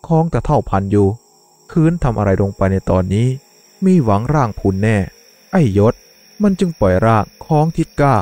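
Low-voiced man telling a horror tale. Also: lively intonation, mellow. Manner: measured, suspenseful telling. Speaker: storyteller. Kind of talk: dramatic horror story narration. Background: faint music.

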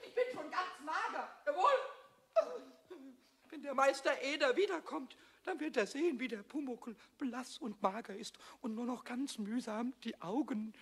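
Squeaky high-pitched cheeky little kobold. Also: male voice, moderate pace, fairly bright tone, husky, full character voice. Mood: whiny, panicked, then self-pitying. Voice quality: squeaky, screechy. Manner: boastful, rhyming, melodramatic. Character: small cheeky childish kobold, defiant and whiny. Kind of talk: German children's radio play.

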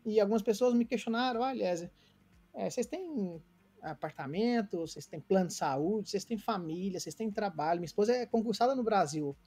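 In a brisk, lively, high-pitched voice that is dark and slightly rough, a Brazilian man from Goiânia in his late thirties shares his story. As a guest on a casual remote interview, he speaks Brazilian Portuguese earnestly and reflectively, often using fillers and restarting.

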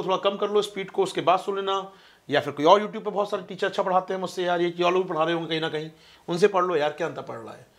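A fast-talking man teaching an online exam-prep class, his voice sitting fairly high. He keeps asking his listeners questions and answering them himself, and he calls them his friends. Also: a bit bright. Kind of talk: online lecture explaining a map.

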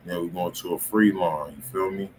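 A man's voice: low voice, steady tone, normal speed. A man hosting a live music review stream in a casual, slangy, informal way. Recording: faint room noise.

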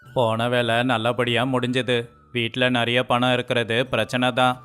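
A man speaks all the male parts of an animated story in a clean, smooth voice. He keeps a narrow, even pitch while scolding or pleading. Light music runs under the dialogue. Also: normal speed. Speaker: voice actor for all male characters.

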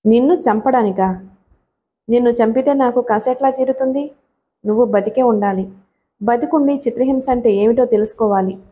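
A woman's voice: fairly high pitch, normal speed, mellow, natural voice. Sitapati, a woman reading him as a bitter menacing husband. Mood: cold. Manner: cold, heavy, taunting delivery. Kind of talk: audiobook character reading.

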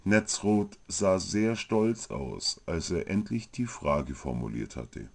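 A man's voice: deep voice, big pitch swings, takes it slowly, vocal fry. A man narrating a comic fantasy story from a script.

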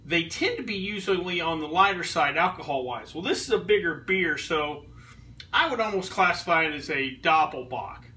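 A man in his thirties talks through a beer tasting in his kitchen. His voice is fairly high and bright, and he rambles with frequent ums and restarts. The camera mic sits a few feet off, so he sounds a little distant. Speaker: beer reviewer and home brewer. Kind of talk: casual beer review vlog. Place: home kitchen, indoors. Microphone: fixed camera a few feet away.

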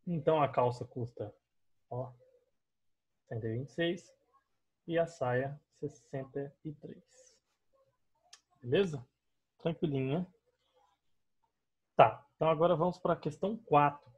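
A young man with a Brazilian accent teaches a math lesson over a screen recording. His voice sits a little high and sounds husky. He moves through each step patiently and keeps checking in with his students. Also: unhurried, pauses often, highs cut off. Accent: Brazilian Portuguese. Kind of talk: online math class explaining on a digital board.

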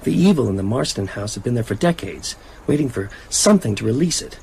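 An actor playing a haunted, weary writer in a radio drama, speaking in a reflective, hesitant way. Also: male voice, mid-range voice, very animated, fast talker, gravelly, darkish tone, a little hiss or hum, rough recording. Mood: grave, reflective. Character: haunted, weary male writer recounting evil events. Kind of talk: radio drama narration and dialogue.

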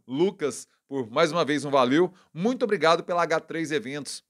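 A man with a Brazilian Portuguese accent doing casual political commentary as a channel host, indignant and wry, with quick self-corrections. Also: on the high side.

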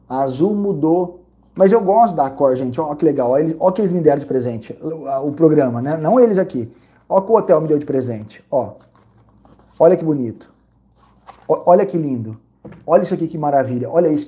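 A Brazilian man vlogging casually, telling an animated, repetitive story with lots of exclamations. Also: on the high side, fairly quick. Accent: Brazilian Portuguese. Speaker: vlogger reviewing credit card perks and hotels.

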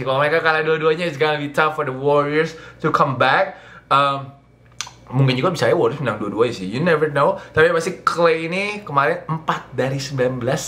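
A man in his thirties talks to camera as a sports channel host. His pitch sits in an ordinary middle range, and his delivery is casual and slangy, with English phrases mixed in freely. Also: fairly bright tone. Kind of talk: casual basketball recap commentary to camera. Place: small indoor living room.

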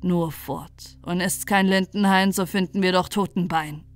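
A woman voicing a cold, grim knight who speaks loudly in chanting rhymes. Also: on the low side, steady tone, unhurried, no echo, soft background music.

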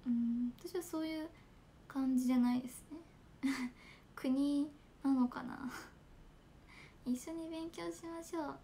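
A high, bright young woman chats casually and giggles through a livestream. Her voice has a gravelly fry at the edges, and a faint hiss of phone-mic noise sits under it. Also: fairly even intonation, a little slow, long pauses. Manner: giggly, chatty, reads fan comments. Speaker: idol livestreamer. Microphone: smartphone.

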